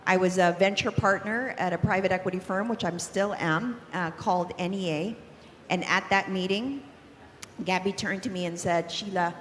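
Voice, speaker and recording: A woman from the Philippines introducing herself on a panel, enthusiastic and fluent. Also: mid-range voice. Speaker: panelist, company founder. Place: large event hall on stage. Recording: long hall reverb, faint crowd ambience.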